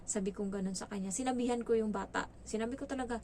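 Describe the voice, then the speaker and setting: A woman's voice: a little high, quick pace, slight background noise. Filipina helper retelling her story. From Philippines. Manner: lively retelling, acting out quoted dialogue; mixes in English words. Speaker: domestic helper vlogger. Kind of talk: casual storytelling.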